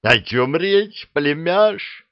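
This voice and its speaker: A man's voice: on the high side, expressive, slow, dry recording, highs cut off, voice pushed up. A man voicing the cheerful right head of a three-headed dragon in a storybook reading, raised and drawling. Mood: playful. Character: cheerful silly dragon head, male, playful.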